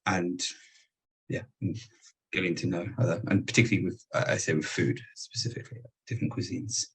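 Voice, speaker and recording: Deep husky guy stumbling thru a quick intro on a call. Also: a bit bright, rough recording. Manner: hesitant, searching for words. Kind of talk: self-introduction on a video call. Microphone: video call.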